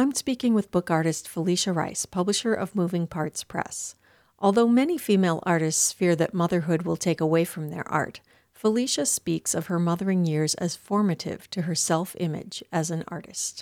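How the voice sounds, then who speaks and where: In a very clean recording with a silent background and a dry, close sound with no echo, a woman speaks at a moderate pace in a normal speaking voice, fairly low in pitch with ordinary pitch variation. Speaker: podcast host and interviewer. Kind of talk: interview and narrated introduction.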